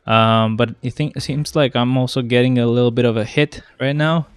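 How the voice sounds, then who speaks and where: A man's voice: mid-range voice, fairly even intonation, brisk, clear, resonant tone, no echo. A young man with a stuffy nose from a cold, chatting casually to his live-stream viewers and getting exasperated with the game. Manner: chatty, easily exasperated, talks to chat.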